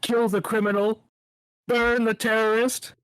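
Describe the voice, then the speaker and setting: A man, a tabletop game player, putting on a booming robot voice for a stern enforcer unit, shouting in a loud, raised, robotic delivery. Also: flat delivery, measured pace, smooth, dry recording. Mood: commanding.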